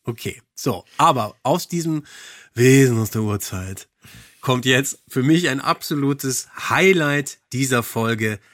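A man's voice: medium pitch, animated, slow, fairly bright tone, dry recording, clean studio sound. A man co-hosting a podcast, talking casually and conversationally. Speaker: podcast co-host. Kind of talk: casual chat.

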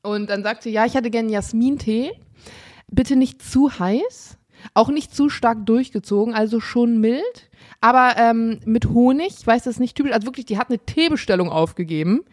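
Lively woman telling a story. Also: a little high, normal speed. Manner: lively, acts out dialogue in raised voices, laughs often. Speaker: podcast co-host. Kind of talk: casual storytelling chat. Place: hotel room.

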